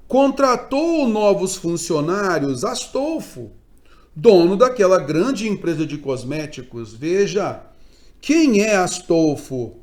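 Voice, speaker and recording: A Brazilian man teaching a Portuguese grammar lesson online, explaining step by step and often checking in with quick tags. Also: a little high, a little mellow. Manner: didactic, frequent check-in tags, emphatic stresses. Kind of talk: online exam-prep lecture.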